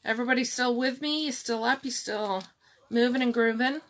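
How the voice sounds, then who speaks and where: A middle-aged woman with a calm, soft-spoken voice, chatting slowly through a live jewelry showcase and answering viewers by name. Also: fairly high pitch. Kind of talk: slow live-stream product showcase chat.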